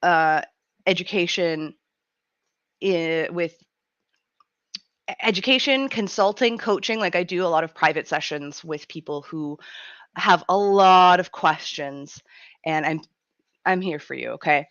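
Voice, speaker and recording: A woman in her thirties hosting a radio show in casual chat, her voice raspy and gruff from a cold, chatty and laughing often. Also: on the low side, a little slow, pauses often, a bit bright, no room sound, lo-fi sound. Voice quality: raspy, grumbly. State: has a cold, gruff throat. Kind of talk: casual live-stream chat.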